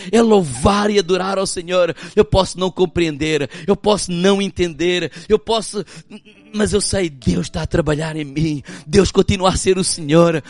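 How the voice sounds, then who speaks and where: A man with a European Portuguese accent preaching a sermon as pastor, swinging between impassioned loud passages and hushed, quiet ones. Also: on the high side, no echo.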